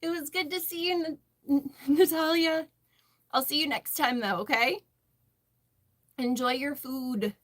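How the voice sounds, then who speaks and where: Slow-paced American woman, casual livestream chat. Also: high voice, fairly bright tone. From western Massachusetts, United States. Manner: chatty, reading and answering viewer comments. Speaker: livestream host, crocheter.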